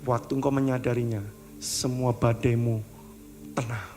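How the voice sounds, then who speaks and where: A man preaching a sermon, talking in a casual, chatty way that swings from high pleading to hushed tones. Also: level tone, moderate pace, soft background music. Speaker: pastor. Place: church service.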